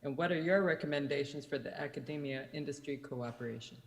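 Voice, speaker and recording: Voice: medium pitch, fast, creaky. Informal panel moderator with reverb. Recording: long hall reverb.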